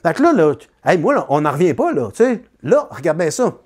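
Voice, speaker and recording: A man's voice: a little high, brisk. A man with a Quebec French accent telling a comic anecdote about his neighbors. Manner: lively, animated, many fillers. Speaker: storyteller.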